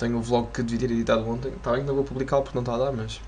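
A man races through his words at a very fast pace, with light background noise behind him. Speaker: vlogger. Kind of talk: casual vlog chat. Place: home room. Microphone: webcam.

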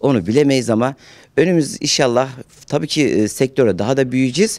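This man talks at a fairly quick pace with lively intonation, recorded dry with no echo. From Adıyaman, southeastern Turkey; Turkey. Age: 40s. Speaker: curtain business owner. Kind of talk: interview. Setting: in a shop. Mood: relaxed, upbeat. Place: office. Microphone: handheld.

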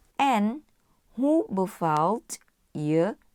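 Here a woman speaks at a medium pitch. Her pitch swings very widely. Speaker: language teacher. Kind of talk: tutorial, language lesson.

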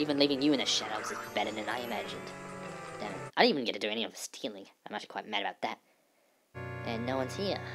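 A put-on character voice at a very fast pace, with faint music in the background. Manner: snarky, whiny, mock-British.

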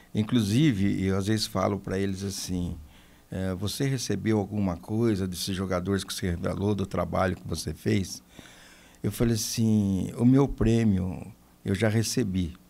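The man's fairly low voice has a dark, mellow tone and ordinary pitch variation. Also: moderate pace. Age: 70s. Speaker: amateur football club founder and president. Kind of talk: interview. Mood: proud, reflective. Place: studio. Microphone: studio mic.

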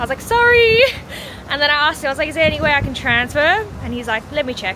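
A raised, projected voice with ordinary pitch variation, over noticeable background noise. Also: woman, dry sound with no echo. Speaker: travel vlogger. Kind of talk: casual vlog chat. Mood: amused, storytelling. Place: station. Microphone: phone near.

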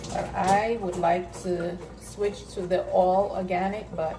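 A woman is speaking. Noticeable background noise runs under her voice. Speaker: home cook vlogger. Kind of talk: casual vlog chat. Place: kitchen. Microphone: phone near.

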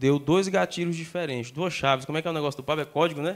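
A man talks at a fairly quick pace. His pitch is fairly high for a man. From Brazil, Northeast. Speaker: co-speaker at business seminar; speaker. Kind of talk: live seminar talk. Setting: stage with live audience. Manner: joking. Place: hall. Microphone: handheld.

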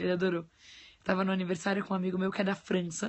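A woman speaks against a quiet background. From Brazil. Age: 20s. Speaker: entrepreneur and online educator. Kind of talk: casual livestream chat with viewers. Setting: live phone stream. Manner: animated. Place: home room. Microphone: phone near.

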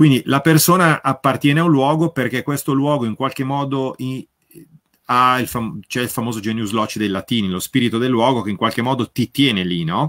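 Pitch varies in an ordinary way as the talking goes at a fairly quick pace. Nothing much is audible behind it. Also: man. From northern Italy, Monza (Lombardy); Lombardy, Italy. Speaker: writer and translator; guest. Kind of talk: interview conversation. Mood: reflective, engaged. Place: home room.

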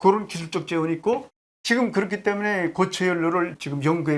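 A man speaks with a North Korean accent. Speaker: North Korean defector, former missile unit soldier. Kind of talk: interview.

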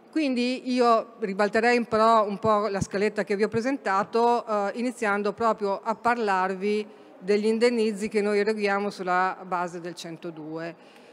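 Over light background noise, a woman with an unremarkable speaking voice talks at a fairly slow pace, her fairly high pitch held in fairly even intonation. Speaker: regional agriculture official. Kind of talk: conference presentation. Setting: stage with audience.

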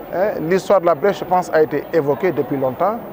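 Over crowd noise in the background, the speaker talks at a fairly quick pace with ordinary pitch variation in a dry sound with no echo. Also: man. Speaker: politician at a campaign event. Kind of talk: interview answer. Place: street. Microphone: handheld.

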